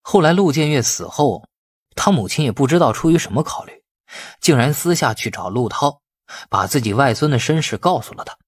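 A man's voice: mid-range voice, expressive, brisk, breathy edge, no echo, studio quality, voice pushed up. A man voicing a glib, cunning young man in an audiobook, wheedling and feigning innocence with false earnestness. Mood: mock earnest.

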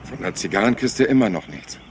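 A man playing a rumpled, persistent middle-aged police inspector in a German-dubbed crime drama, husky, polite and offhand. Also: fairly low pitch, animated, a little fast, a little hiss or hum, close to an everyday voice. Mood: pensive.

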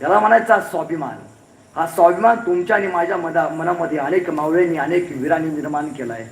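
A man with a Marathi accent delivers a fiery public lecture in a high, ringing voice. He tells his stories with dramatic rises and sudden hushed drops. The sound carries the echo of a large hall over a faint room hum. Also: quick pace, creaky. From Maharashtra, India. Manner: dramatic storytelling, swings between loud declaiming and low hushed lines. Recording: roomy hall with faint ambience.

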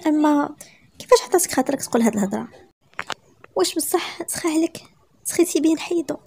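A woman's voice: high voice, lively intonation, fast, vocal fry, warm tone, voice pushed up. A woman voicing a young, fiery wife and mother in a story, with a Moroccan accent and emphatic, protesting delivery. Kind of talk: storytelling with acted dialogue.

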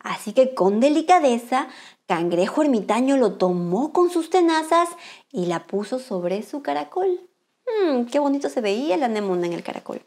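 A woman reading a picture book aloud to children in a bright, sing-song, expressive manner. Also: high-pitched, normal speed. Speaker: children's storyteller, channel host.

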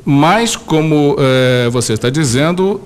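A man's voice: on the high side, expressive, slow pace. Hesitant male radio interviewer. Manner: hesitant questions with many fillers. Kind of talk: interview questions.

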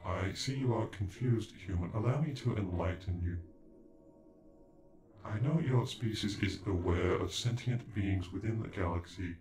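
A man's voice: on the low side, a little slow. A man playing an ancient alien android in a sci-fi ASMR roleplay, speaking in formal, stilted, condescending phrases with glitchy robotic stutters. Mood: grave, explanatory. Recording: echoing, with music behind.

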